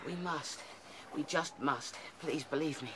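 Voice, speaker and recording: A man's voice: on the high side, unhurried, background noise, natural voice. A man acting in a radio play as a small, anxious visionary rabbit, fretful and intense. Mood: weary, pleading.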